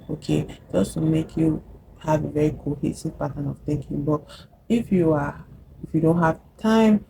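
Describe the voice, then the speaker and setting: A woman with a Nigerian accent giving a casual whiteboard maths lesson. She is chatty and encouraging, checks in with "yeah?" and "okay?", and slows down to spell out formulas as she writes. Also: sits low, creaky, noisy background. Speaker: math tutor vlogger.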